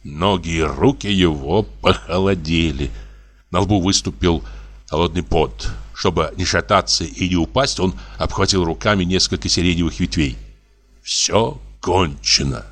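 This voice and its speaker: A man narrating a classic story in an expressive, dramatic audiobook reading. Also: low voice, normal speed.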